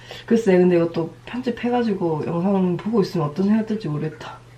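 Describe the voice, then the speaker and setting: Amid noticeable background noise, a woman with a relaxed tone talks at a moderate pace and medium pitch, with ordinary pitch variation. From Gyeongsang, South Korea. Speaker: vlogger. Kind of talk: vlog monologue.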